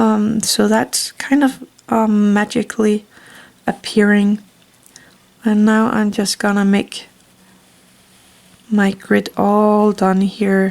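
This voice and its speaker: The speaker mumbles at a very slow pace, with long, frequent pauses. Loudness stays very even and the intonation is fairly even. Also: woman, medium pitch for a woman. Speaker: drawing tutorial creator. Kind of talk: tutorial. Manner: mumbling; hesitant, many fillers.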